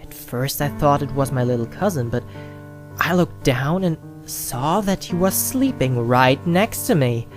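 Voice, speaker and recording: A woman narrating a first-person scary story in a dramatic, deliberate manner with suspenseful pauses. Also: extremely low pitch, animated. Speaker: horror story reader. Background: background music.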